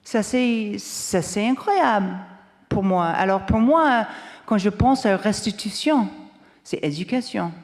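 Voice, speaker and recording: A journalist from Canada speaking on a panel, halting and searching for words with many restarts. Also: female voice, medium pitch, lively intonation, a little mellow. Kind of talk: round-table remarks. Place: lecture hall. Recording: long hall reverb.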